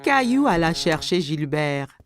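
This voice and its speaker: A woman's voice: sits low, very animated, measured pace. A woman narrating a scripted children's cartoon story. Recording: music under the voice.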